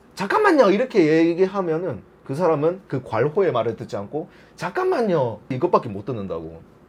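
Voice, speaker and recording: A man talks with very wide swings in pitch. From Gyeongsang region, South Korea. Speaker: nurse. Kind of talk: casual interview chat.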